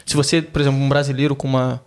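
A Brazilian man hosting a podcast, talking in a relaxed, slangy way. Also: mid-range voice, very fast, clear, resonant tone, faint music behind. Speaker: podcast host. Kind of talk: casual chat.

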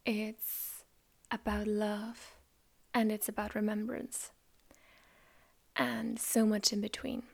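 A woman whose first language is German hosts a spiritual podcast, talking in a soft, slow, reflective way that often drops close to a whisper. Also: mid-range voice, monotone, gravelly. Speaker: podcast host. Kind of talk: calm spiritual podcast monologue.

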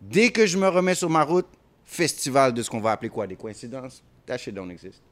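A man's voice: medium pitch, brisk. Haitian-accented rapper guy, big swings in his voice, tells stories, mixes in english bits. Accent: Haitian French mixed with Quebec French. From Montreal. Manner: animated storytelling, mixes English phrases. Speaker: rapper guest. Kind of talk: casual interview chat.

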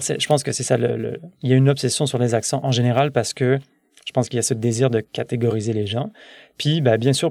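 A man's voice: medium pitch, gravelly, warm tone, no room sound. A man in his thirties with a Québécois French accent, chatting as a guest and rambling with many restarts and fillers. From born in France, raised in Quebec. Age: 30s. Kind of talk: casual conversation.

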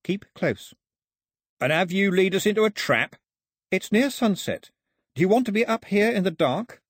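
A man's voice: high voice, lively intonation, moderate pace, dry recording, clean studio sound, pitched above the performer's own voice. A man voicing a brave, well-spoken young girl in a storybook, polite and precise. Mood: urgent, bold.

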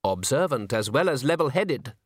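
Narrator as male opera music director: sardonic, brisk, authoritative, with swooping intonation, audiobook style. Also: mid-range voice, very animated, dry recording, studio quality.

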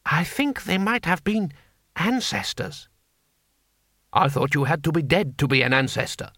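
Guy doing a nervous meek prison guard, pitched way up, bright, storybook character. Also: sing-song, measured pace, no echo, clean studio sound, exaggerated voice. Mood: anxious, baffled. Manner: meek, pleading. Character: timid, deferential captured male guard, pleading.

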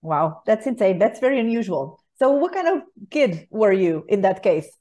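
A woman hosting an interview podcast, enthusiastic and quick to laugh. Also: mid-range voice, very animated, dark tone. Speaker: podcast host.

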